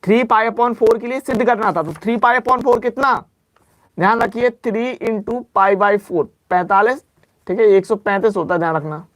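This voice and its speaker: A young man gives an exam-prep maths lecture in a high, slightly bright voice with no echo. He works through sums aloud step by step and keeps drilling reminders to be careful, slowing down to dictate formulas and speeding up for asides.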